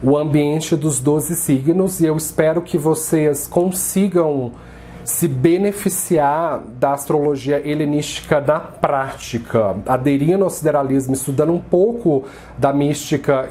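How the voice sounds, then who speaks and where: Man, astrology teacher, slow deliberate delivery, mellow tone, faint background noise. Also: a little high. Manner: slow, careful pronunciation drills. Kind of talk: introductory lesson.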